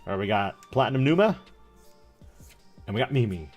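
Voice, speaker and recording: A man in his thirties talks in an animated, rambling, jokey way, like a streamer casually chatting to his viewers. His pitch jumps around freely. Music plays faintly behind him. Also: fairly quick. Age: 30s. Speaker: streamer opening trading card packs. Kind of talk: casual livestream chat.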